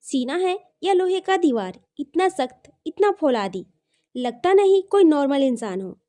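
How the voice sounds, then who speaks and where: A woman's voice: high-pitched, lively intonation, a little slow, dark tone. A woman voicing a feisty, indignant young hotel employee in an audio love story, scolding dramatically and mixing in English words. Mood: pained, complaining.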